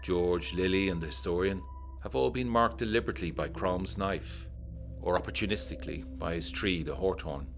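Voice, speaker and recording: A brooding, old-fashioned gentleman of the 1920s with a very low voice. He reads his letter in formal period diction, worried and indignant, with measured emphasis. Faint music plays under this gothic audio drama. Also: creaky. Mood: grave, pondering.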